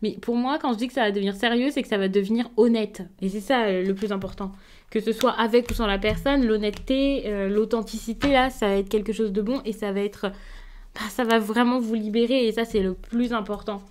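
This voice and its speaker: A woman giving a tarot reading to camera, gentle and reassuring, often pausing with hesitant fillers. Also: a little high, fairly even intonation. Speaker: tarot card reader.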